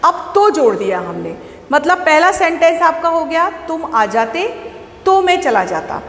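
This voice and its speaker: A woman's voice: very high voice, very animated, unhurried, a bit bright. A woman teaching a school lesson to children, explaining patiently and asking questions that she then answers herself. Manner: explains patiently, repeats words and asks then answers her own questions. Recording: echoey room with long reverb, faint ambience.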